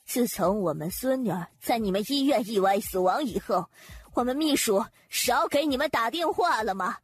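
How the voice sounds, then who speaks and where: A woman's voice: a little high, animated, normal speed, slightly rough. A woman playing an imperious, cold and indignant wife of a powerful man in an audiobook drama, haughty, accusing and sarcastic.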